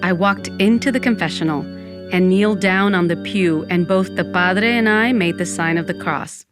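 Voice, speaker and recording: A woman's voice: on the low side, moderate pace, close to an everyday voice. A woman playing a wry undead Latina who narrates her own story with dramatic flair in a comic audio drama. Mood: reflective. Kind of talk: first-person comic audio fiction narration. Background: music.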